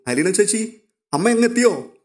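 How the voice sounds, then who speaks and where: A man's voice: medium pitch, fairly even intonation, a little fast, darkish tone, close to an everyday voice. A man voicing a playful young woman who teases and apologizes lightly. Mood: teasing.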